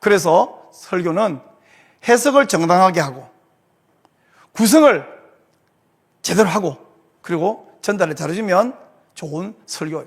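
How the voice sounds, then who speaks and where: The speaker talks at a fairly slow pace in a Gyeongsang accent. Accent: Gyeongsang regional Korean. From Gyeongsang, southeastern Korea. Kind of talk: preaching, lecture-like.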